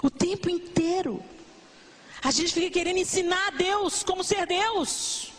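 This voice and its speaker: A Brazilian woman preacher delivering a lively sermon to a congregation, with a broadcast church-service feel. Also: very high voice, measured pace. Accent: Brazilian Portuguese. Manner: animated, acts out complaining believers in mock voices.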